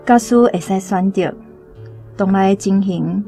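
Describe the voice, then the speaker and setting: A woman's voice: mid-range voice, unhurried, warm tone, natural voice. Young tribal woman, female actor, Taiwanese accent, anxious and earnest dramatic delivery, faint music behind, radio play. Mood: sorrowful. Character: anxious young tribal woman, the chief's daughter, recounting memories. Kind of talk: radio drama acting with first-person narration.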